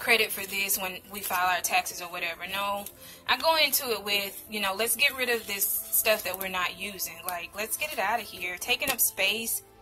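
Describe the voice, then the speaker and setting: Over music in the background, a woman speaks at a moderate pace and medium pitch with ordinary pitch variation. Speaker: craft and journaling YouTuber. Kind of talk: casual chat while crafting. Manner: frequent filler words (um).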